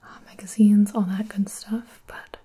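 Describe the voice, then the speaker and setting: Woman as friendly young librarian for a whispered role-play: very mellow library whisper, unhurried and casual. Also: medium pitch, level tone, a little hiss or hum, lightly acted. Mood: helpful, friendly. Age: 20s. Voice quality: breathy. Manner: soft-spoken library whisper, gentle and casual. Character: friendly, chatty young female public librarian helping a new patron.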